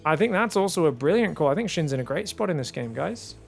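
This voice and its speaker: High-pitched, creaky-voiced male esports commentator. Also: quick pace, faint music behind. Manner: animated, informal, addresses viewers as guys. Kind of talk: casual live game commentary.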